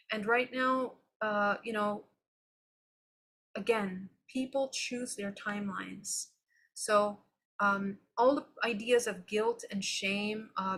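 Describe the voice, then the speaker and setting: A woman's voice: medium pitch, a bit bright, husky. A woman giving an unscripted, live-streamed spiritual teaching to viewers. She speaks in an earnest, reflective way and often checks in with "okay?". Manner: loose and unscripted, with restarts.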